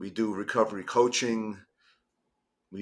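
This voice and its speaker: A man's fairly low-pitched voice with a New York accent. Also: very clean recording, silent background. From Queens, New York. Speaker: recovery coach and addiction service owner. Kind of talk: interview. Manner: halting, repeats words.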